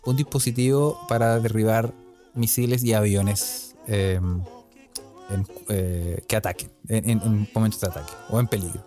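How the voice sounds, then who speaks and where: A man's voice: fairly low pitch, steady tone, normal speed, warm tone, faint music behind. A man with a Chilean Spanish accent co-hosting a casual chat, joking, laughing often and using a lot of slang. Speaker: podcast co-host.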